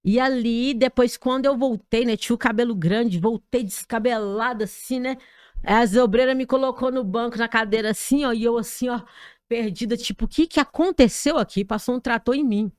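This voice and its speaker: A woman's voice: a little high, normal speed, smooth, no echo, clean studio sound. Brazilian woman pastor telling a vivid testimony. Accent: Brazilian Portuguese. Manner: vivid, animated storytelling with sound effects. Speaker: pastor, podcast guest. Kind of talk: dramatic personal testimony. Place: podcast studio.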